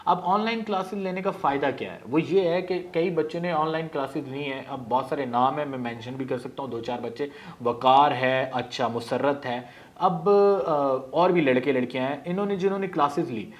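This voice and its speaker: A man with a Pakistani Urdu accent and a fairly high voice, talking to camera as an acting teacher. He speaks quickly and informally, slipping English words into his sentences. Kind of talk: casual promotional talk to camera.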